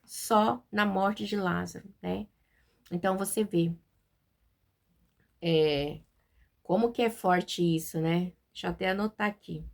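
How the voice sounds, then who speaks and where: A woman with a Brazilian Portuguese accent giving an informal devotional Bible talk, chatty, with many fillers and tag questions, and reading verses slowly. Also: fairly low pitch, vocal fry. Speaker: Bible teacher.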